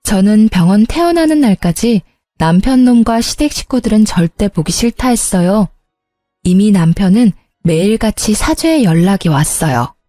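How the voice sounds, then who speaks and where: A woman's voice: mid-range voice, animated, normal speed, mellow, no echo, studio quality, soft background music. A woman narrating her own story in the first person, in a resentful, confessional tone.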